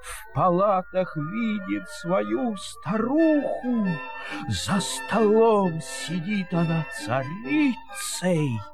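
Slow, theatrical male storyteller over music. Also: sits high, animated, creaky. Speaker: narrator. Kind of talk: expressive fairy-tale narration in verse.

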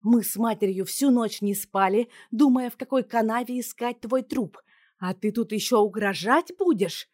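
A woman's voice: on the high side, moderate pace, darkish tone, voice pushed up, natural voice. Woman playing a stern lecturing father. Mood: angry. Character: stern angry father and husband.

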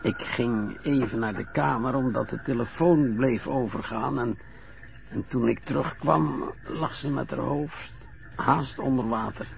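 A man playing a gravelly, stammering old widower. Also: mid-range voice, unhurried, dull audio. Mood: sorrowful. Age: older. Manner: hesitant, stammering. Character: frail old widower being bathed, fearful, teasing fibber. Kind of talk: radio play acting.

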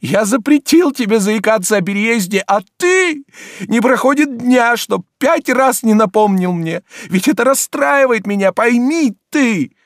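A man reading an audiobook voices a petulant idle gentleman who whines and scolds his servant. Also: sits high, normal speed, dry recording, clean studio sound, pitched above the performer's own voice. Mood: exasperated. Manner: whiny, exasperated, raised and pleading. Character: petulant idle middle-aged gentleman, easily vexed.

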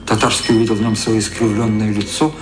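A man's voice: fairly low pitch, little pitch movement, quick pace. Male radio-play narrator, roomy echo. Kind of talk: scripted radio drama narration. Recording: roomy echo with prominent music.

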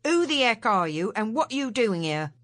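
Blunt, protective young sailor, read by a woman, brisk slangy speech, lively storybook reading. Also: a little high, no echo, voice pushed up. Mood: concerned.

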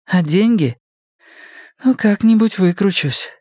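A man voicing a calm young woman student who speaks softly and firmly. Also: high-pitched, dry recording, clean studio sound, voice pushed up, exaggerated voice. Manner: soft, measured, quietly firm.

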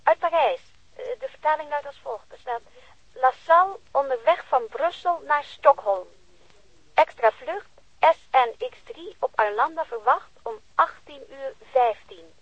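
Dull, dry sound carries a police telex operator in a radio drama. Her voice is high, and she relays messages in a formal, measured manner. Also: animated, no room sound. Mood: businesslike.

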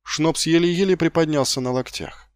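A man narrating an audiobook in an expressive storytelling voice. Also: a little high, moderate pace, no room sound. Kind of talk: scripted narration.

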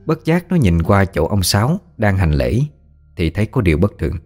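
Deep-voiced male story narrator. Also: very animated, normal speed, darkish tone, faint music behind.

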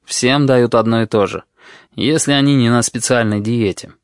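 A man voicing a tired older male caretaker who talks calmly and quietly firmly. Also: mid-range voice, moderate pace, smooth, no room sound, studio quality, close to an everyday voice. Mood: weary. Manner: calm, weary, quietly firm.

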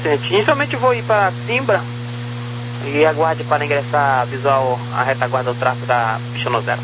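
A man's voice: mid-range voice, moderate pace. A man working as an approach air traffic controller, giving procedural instructions over aviation radio.

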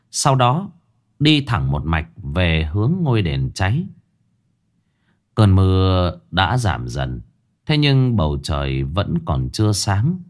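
A man narrating a ghost story in a dramatic storytelling manner. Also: low-pitched.

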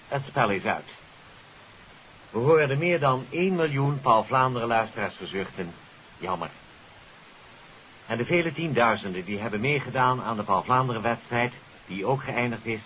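A man's voice: medium pitch, expressive, normal speed, pauses often, a bit bright. A man presenting on 1950s radio, addressing listeners in a formal, courteous, scripted announcement. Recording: hissy, dull 1950s radio recording.

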